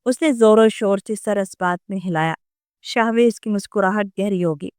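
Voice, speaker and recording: A woman narrating a romance novel audiobook in a steady dramatic storytelling voice. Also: mid-range voice, clean tone, no echo, clean studio sound.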